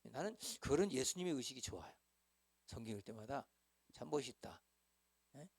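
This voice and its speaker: A man's voice: mid-range voice, animated, normal speed, a little mellow, husky. A middle-aged man, a senior pastor, teaching small-group leaders in a church hall. He is talkative, acts out quoted dialogue, and keeps asking his listeners to respond.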